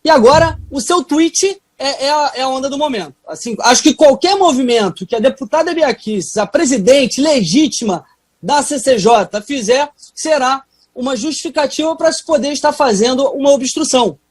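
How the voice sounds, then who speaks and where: A woman's voice: sits high, lively intonation, normal speed, a little mellow, no echo. A Brazilian Portuguese-speaking woman, a legislator, giving a combative, emphatic speech in a parliamentary session.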